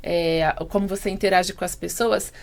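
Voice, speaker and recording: Brief: woman therapist with a gravelly edge, explaining calmly as a guest. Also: on the low side, moderate pace. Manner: explanatory, affirming. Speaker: psychologist guest. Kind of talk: casual podcast chat.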